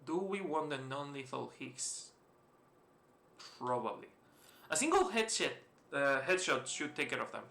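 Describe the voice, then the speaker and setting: Gaming host, male, Spanish-influenced accent, bright edgy voice, loose swearing play-along chatter. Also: fairly high pitch, sing-song, unhurried, gravelly. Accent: mixed, Spanish-influenced. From Spain. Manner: rambling, swears freely, chuckles often. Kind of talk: casual let's-play commentary. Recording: roomy echo, faint hiss.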